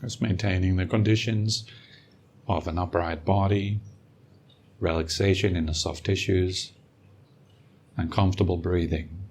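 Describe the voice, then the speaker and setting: A man leading a guided meditation as a teacher, speaking calmly and unhurriedly with long pauses. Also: low voice, a little hiss or hum. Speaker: meditation teacher and podcast host. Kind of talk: guided meditation, slow and soothing.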